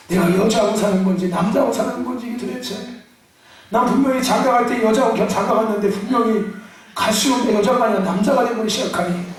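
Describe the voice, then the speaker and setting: A male pastor preaching a fiery sermon to his congregation, shouting out calls for a response and slipping into joking asides. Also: high voice. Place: large church sanctuary. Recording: echoey church hall from far off.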